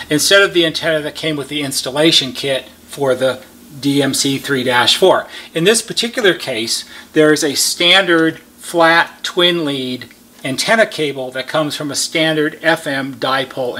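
A man's voice: on the high side, a bit bright. A middle-aged American man, a repair technician giving a methodical, explanatory step-by-step how-to demonstration.

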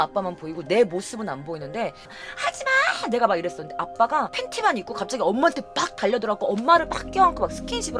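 Animated young Korean-speaking woman storyteller. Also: medium pitch. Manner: emotional, animated, acts out her own quoted lines. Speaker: streamer telling personal stories. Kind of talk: casual storytelling chat. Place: home streaming room.

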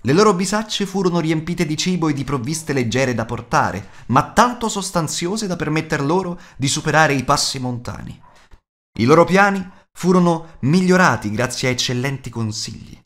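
A man reads an audiobook as narrator, in an expressive scripted storytelling style. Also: on the high side, moderate pace.

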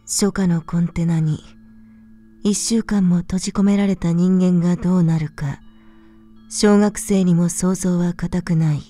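A woman reading a scripted horror story as narrator, in a calm, measured, soft manner. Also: on the low side, soft background music.

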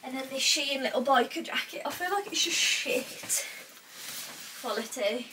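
A bright, fairly high-voiced young woman with a British accent chats away as she sorts her wardrobe, nasal and a bit stuffed up from a cold. She rambles in a relaxed, thinking-aloud way. The camera sits across a small bedroom, so she sounds slightly distant, with a faint hiss behind her. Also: measured pace. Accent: British English. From England. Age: young adult. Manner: chatty, thinks out loud, frequent "like". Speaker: vlogger. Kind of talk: casual chat to camera. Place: small cluttered bedroom wardrobe room indoors. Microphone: camera across the room.

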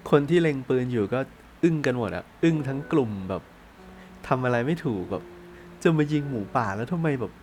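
A man narrating a ghost story in a casual, chatty podcast style, dropping to hushed tones for suspense. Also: mid-range voice.

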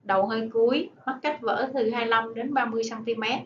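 A woman primary school teacher dictating to children, speaking deliberately and enunciating word by word. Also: a little high, fairly even intonation. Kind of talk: slow dictation-style lesson for children. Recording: echoey room, dull sound, faint noise.

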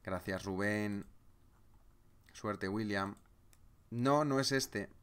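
A man's voice: fairly low pitch, extremely slow, a bit bright, smooth. A man from presenting a live trading webinar, chatty, retelling stories and answering viewers' comments.

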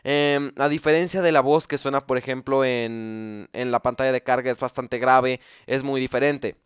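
Guy explaining game lore off the cuff, lots of ums and restarts, clean smooth voice, dry close mic. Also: medium pitch, steady tone, moderate pace, no room sound. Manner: thinks aloud, with frequent fillers and restarts. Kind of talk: casual explanatory commentary.

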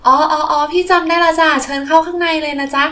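A woman's voice: sits high, steady tone, quick pace, sharp tone. A woman voicing a friendly, welcoming stable owner, sweet and reassuring, in a children's toy story.

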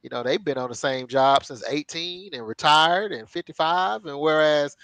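The voice belongs to a man in his thirties with a fairly high, slightly bright, clear and resonant tone, talking at a normal speed. As co-host of a casual video-call interview from a home room, he wanders through the conversation on his headset with lots of fillers, asides and laughter. The sound is poor in quality but free of room sound.

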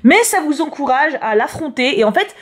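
Chatty woman reading tarot, slangy, kinda high voice, repeats herself a lot. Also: lively intonation, moderate pace. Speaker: YouTuber reading tarot horoscopes. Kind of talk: casual chat.

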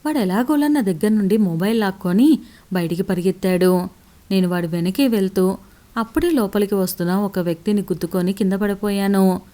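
Woman with a mellow storytelling voice. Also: medium pitch, brisk. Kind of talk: scripted first-person story narration.

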